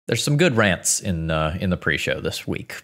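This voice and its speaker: A male podcast co-host with a very low voice that swings widely in pitch. He reads ads and lists items in a brisk, animated way. He sounds casual and practiced.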